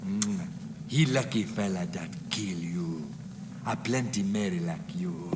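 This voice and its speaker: An actor playing a superstitious, blunt, menacing tribal islander who speaks pidgin English in a video game cutscene. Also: male voice, deep voice, a little slow, background noise. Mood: grave, ominous. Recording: long reverb, loud music behind.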